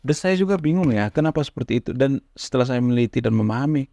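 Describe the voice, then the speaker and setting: A man talks casually to camera as a YouTube host, in an average-pitched voice. He stammers now and then, breaking off and restarting words. The sound is dry and close, with no room around it. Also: animated, fast, gravelly, warm tone, dry recording. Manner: stammers at times, restarts words, conversational fillers. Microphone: camera mic, close.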